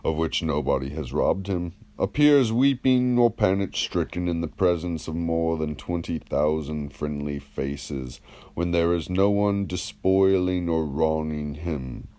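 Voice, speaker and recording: Man playing a very deep, measured philosopher. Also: mellow. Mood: questioning. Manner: measured, didactic, rhetorical questioning. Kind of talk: dramatised audiobook reading of a classical dialogue.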